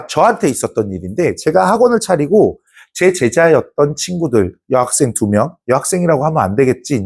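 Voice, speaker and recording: A man in his forties teaching social studies, telling a personal anecdote in a chatty, animated way. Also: a little high, slightly rough.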